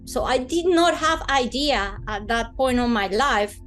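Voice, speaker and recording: A woman with a Colombian accent, a native Spanish speaker, telling a personal story in an interview with expressive, dramatic emphasis. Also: on the high side, measured pace, soft background music. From Bogota, Colombia.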